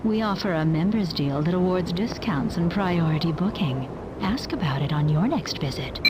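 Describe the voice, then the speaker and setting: Woman playing a low-voiced brothel phone greeter over noise. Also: lively intonation, normal speed, lightly acted. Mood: enticing. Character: brothel phone greeter, a sultry saleswoman named Candy. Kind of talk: scripted recorded phone greeting from a video game.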